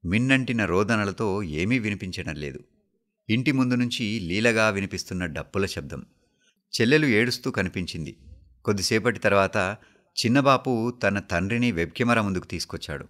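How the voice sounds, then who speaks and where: A man with a Telangana accent reading a story aloud for the radio in a steady, measured way. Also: lowish voice. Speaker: story reader.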